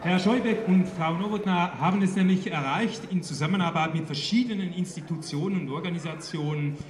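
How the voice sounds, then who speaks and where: A man speaks formally from a stage, his voice high for a man. It carries through an echoey, roomy PA sound. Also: fairly quick. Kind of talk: public congratulatory speech. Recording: echoey open-air PA.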